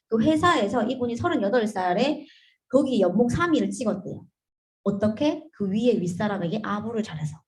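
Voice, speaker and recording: A woman giving a seminar lecture to business partners, animated, often starting with "자" and asking the room rhetorical questions. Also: mid-range voice.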